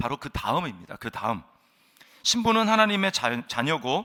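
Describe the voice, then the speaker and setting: Over a very clean recording with a silent background, a man with a bright, sharp tone and vocal fry talks at a fairly quick pace, his pitch swinging very widely. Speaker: senior pastor. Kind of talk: sermon. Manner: fast.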